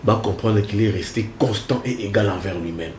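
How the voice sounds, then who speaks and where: A man's voice: fairly low pitch, moderate pace, a little mellow. A man from the Congo speaking French with a Congolese accent, answering as a political analyst in an emphatic way and repeating his key phrases. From Central Kongo, DR Congo. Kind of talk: animated interview answers. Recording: echoey room with faint noise.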